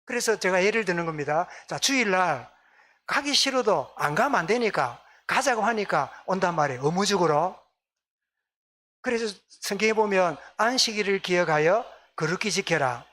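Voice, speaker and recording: A man's voice: sits high, animated, normal speed, sharp tone. A male pastor with a Gyeongsang accent preaching a Sunday sermon, often asking the congregation questions and repeating their answers. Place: church sanctuary.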